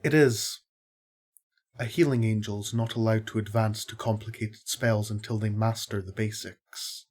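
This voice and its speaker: Man as husky, defiant angel advocate. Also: fairly low pitch, steady tone, moderate pace, a little mellow, lightly acted. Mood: knowing. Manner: challenging, sardonic. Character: defiant, compassionate male archangel advocate. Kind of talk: dramatic audio roleplay acting.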